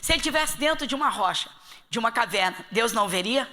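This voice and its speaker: Woman pastor with a Rio accent, emphatic Bible teacher, bright and rather high voice. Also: expressive, quick pace. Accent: Rio de Janeiro Portuguese. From Brazil. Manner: emphatic, asks the class rhetorical questions.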